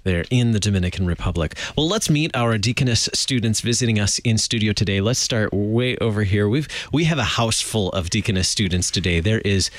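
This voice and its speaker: A man's voice: lowish voice, lively intonation, brisk, few pauses, no room sound. A man hosting a radio interview in a studio, friendly and chatty, laughing easily. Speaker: radio show host.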